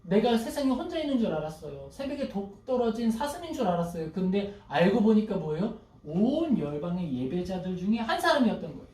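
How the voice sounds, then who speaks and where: A man's voice: high-pitched, big pitch swings, a little fast, few pauses, dark tone. A male pastor preaching a sermon who asks the congregation questions and acts out pleading prayers. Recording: echoey hall, voice from a distance.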